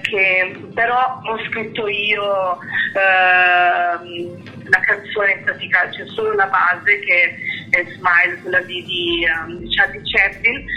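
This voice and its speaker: A woman's voice: mid-range voice, slight background noise. A woman from Germany with a German accent, speaking as an interviewed singer and hesitantly searching for words. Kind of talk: conversational interview. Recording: dull lo-fi radio-like sound.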